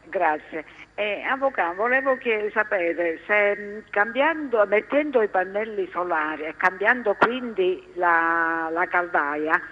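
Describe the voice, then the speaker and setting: A woman's voice: medium pitch, animated, a little slow. A woman phones in and hesitantly asks a question. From Cosenza, Italy. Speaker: phone-in caller. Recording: tinny phone line, hum, reverb, noisy.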